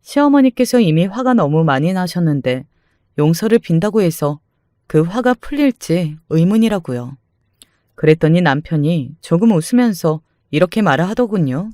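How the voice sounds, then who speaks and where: A woman's voice: on the low side, lively intonation, normal speed, darkish tone, no room sound, studio quality. A woman reading a scripted first-person story as a dramatic narrator.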